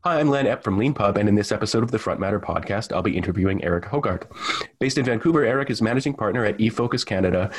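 A man hosting an interview podcast, reading a scripted introduction and then chatting casually with many restarts. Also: on the low side. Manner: friendly, conversational, with many restarts. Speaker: podcast host.

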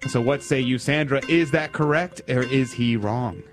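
A man's voice: mid-range voice, moderate pace, soft background music. A man hosting a call-in radio quiz, teasing and upbeat. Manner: teasing, playful quizmaster. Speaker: radio host.

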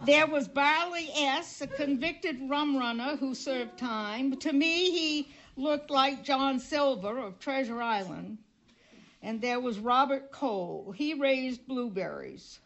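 An older woman with a Maine accent telling humorous local stories at a live event, delivering the punchlines dryly and deadpan. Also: sits high, slow pace. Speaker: storyteller. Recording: dull recording from a live event.

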